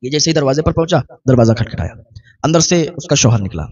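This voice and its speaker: A man's voice: medium pitch, expressive, fast talker, darkish tone, distant mic, dull audio. A man narrating a moral religious tale in an earnest, preachy manner. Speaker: religious storyteller.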